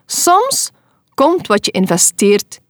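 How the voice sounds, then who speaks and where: Earnest woman host, Christian devotional, slow delivery, lively rising and falling pitch. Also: no room sound, clean studio sound. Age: adult. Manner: earnest, encouraging, unhurried. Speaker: podcast host giving devotionals.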